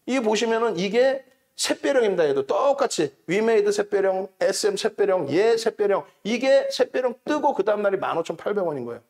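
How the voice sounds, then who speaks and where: Man, middle-aged, stock show host, chart lecture, emphatic, repeats figures, high-pitched, animated. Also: brisk, hardly any pauses. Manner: emphatic, repeats key numbers, mocks rivals as liars.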